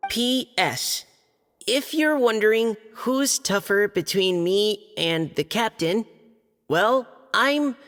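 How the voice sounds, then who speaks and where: A young knight reading a letter. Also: male voice, sits high, fairly bright tone, in a large hall, full character voice. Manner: formal, a bit hesitant reading aloud. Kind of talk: game voice acting. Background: game music.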